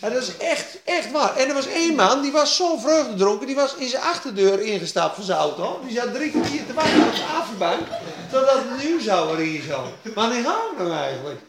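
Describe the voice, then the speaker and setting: A woman preaching a sermon, swinging between quiet asides and loud, excited bursts. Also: on the high side, brisk, crowd noise. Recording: echoey room.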